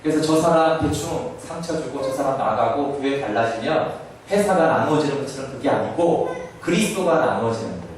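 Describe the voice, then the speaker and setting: A man's voice: medium pitch, lively intonation, a little fast, a little hiss or hum. A man preaching a sermon to a congregation in a church hall. He often asks the listeners questions and acts out Jesus's words as quotes. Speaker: pastor. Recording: very echoey room, voice heard from a distance.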